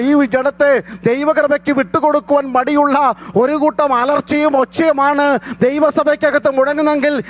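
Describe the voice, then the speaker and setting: A man's voice: extremely high pitch, a bit bright. A man with a Malayali accent preaching a fervent sermon as a pastor, mixing in English phrases and calling out hallelujah often.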